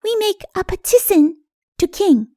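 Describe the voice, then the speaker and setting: Squeaky, excitable little forest child. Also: female voice, measured pace, dry recording, studio quality, full character voice. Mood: coaxing. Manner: babyish lisping speech, broken grammar, exclaiming. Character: wild, playful little forest child with baby-talk grammar. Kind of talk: audiobook character voice.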